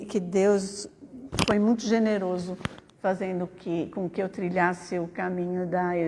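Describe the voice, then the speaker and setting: A woman's voice: lowish voice, warm tone, big-room sound, slight background noise. A middle-aged woman giving an informal spiritual talk at a study center. She tells personal stories in a chatty way and keeps tagging phrases with a questioning "né?". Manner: conversational, often tags phrases with "né?". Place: spiritist center meeting hall.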